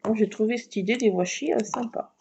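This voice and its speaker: A woman chatting through a casual craft tutorial at home at night, keeping her voice hushed and often slipping into a whisper, with rambling asides. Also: a little high, brisk. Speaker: craft video maker. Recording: muffled lo-fi with faint noise.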